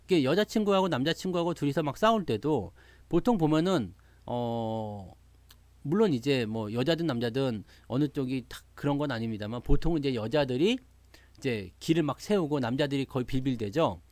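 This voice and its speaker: Lively-voiced Korean man chatting about markets. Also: mid-range voice, normal speed, no echo. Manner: chatty, acts out quoted voices, laughs often. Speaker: stock market YouTuber. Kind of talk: casual market commentary to live chat.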